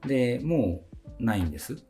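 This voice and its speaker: A man co-hosting a podcast as company PR, chatting casually, firm in his opinions and quick with comebacks. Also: medium pitch, big pitch swings, warm tone, faint music behind. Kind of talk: relaxed casual chat.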